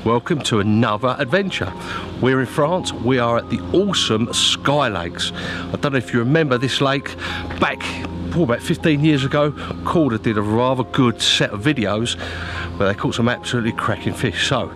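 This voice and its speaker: Bloke doing a fishing vlog, mid pitched voice, matey and informal, bit of music underneath. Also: male voice, normal speed. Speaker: angler presenting a fishing vlog. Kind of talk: casual vlog chat to viewers with practical advice.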